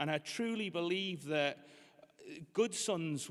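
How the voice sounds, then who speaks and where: Speaking at a fairly slow pace with a North Staffordshire accent, a man is heard on a very clean recording with a silent background. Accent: North Staffordshire twang. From northern England, North Staffordshire. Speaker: poet, award winner. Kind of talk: acceptance speech. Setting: stage with audience at awards ceremony. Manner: halting, many fillers and repetitions.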